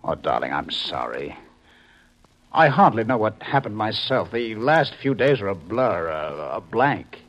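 An actor playing a desperate, intense husband in a 1950s radio science fiction thriller, speaking urgently and emphatically. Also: male voice, lowish voice, very animated, a little slow, fairly bright tone, exaggerated voice. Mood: bewildered, distressed. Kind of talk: 1950s radio drama acting. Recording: old 1950s radio recording.

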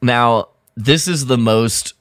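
A man's voice: mid-range voice, slow pace, a bit bright, dry recording, studio quality. A man co-hosting a podcast, telling anecdotes in a casual, wry, amused way. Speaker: podcast co-host.

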